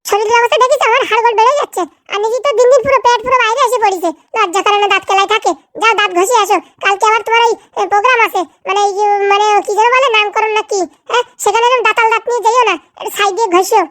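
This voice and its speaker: A performer voicing a nagging, sharp-tongued village housewife in a comedy cartoon, scolding and sarcastic. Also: extremely high pitch, steady tone, no room sound, clean studio sound. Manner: scolding, sarcastic, rapid-fire complaining.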